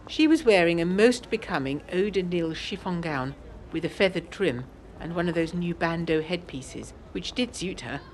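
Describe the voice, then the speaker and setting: A woman playing a genteel, lively 1920s Englishwoman with an English accent, reading her letters aloud in a prim, articulate way for an audio drama. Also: lowish voice, normal speed, a little hiss or hum, natural voice, rough recording. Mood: chatty, delighted. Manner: prim, articulate, period turns of phrase.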